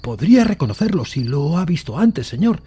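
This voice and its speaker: A man's voice: fairly high pitch, very animated, a little fast, mellow, slight background noise, pitched above the performer's own voice. A man playing a solemn, respectful Victorian railway workman who bears grim news with deference. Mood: grave, respectful.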